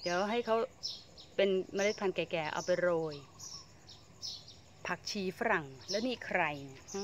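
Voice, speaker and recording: A woman's voice: fairly low pitch, normal speed, dull audio, background noise. Chatty woman touring her vegetable garden. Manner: chatty, exclaims and laughs while showing plants. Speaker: home gardener vlogger. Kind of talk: casual garden tour vlog. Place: outdoor home vegetable garden. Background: birdsong.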